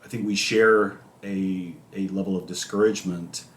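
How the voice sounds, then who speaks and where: A man co-hosting a recovery podcast, chatting casually and trailing off quietly between phrases. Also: deep voice, fairly even intonation, moderate pace. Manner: trailing off quietly, many fillers. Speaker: podcast co-host. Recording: echoey room with faint noise.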